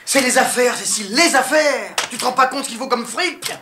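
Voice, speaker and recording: A man's voice: very high voice, a little fast, noisy background. An actor playing a likable con man who chatters nervously and evasively in a 1980s television comedy. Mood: flustered. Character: fast-talking likable male con man.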